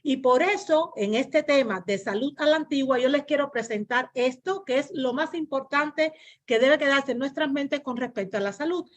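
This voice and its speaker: A woman born in Cuba speaks on health at a church gathering, her voice set a little high. She talks earnestly over a video call, circling back to key phrases and pausing on "eh" as she restarts a thought.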